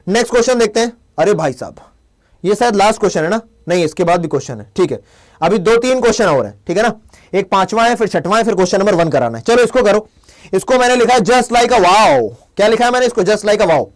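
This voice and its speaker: A young man with a Hindi accent teaching a live online English class, playful and scolding his chat commenters. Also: high voice. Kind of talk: live class with quiz questions.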